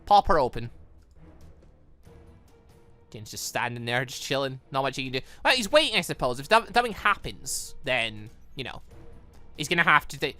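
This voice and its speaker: A gaming channel host giving excited, rambling, exclamatory playthrough commentary, thinking aloud into a close microphone. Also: medium pitch, normal speed, pauses often, faint music behind.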